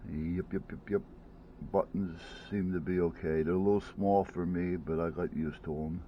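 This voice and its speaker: A low-voiced man rambles through a casual gadget chat at home, restarting sentences and piling on fillers. The recording sounds a little dull, with a faint hiss underneath. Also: steady tone, moderate pace. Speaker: vlogger reviewing gadgets.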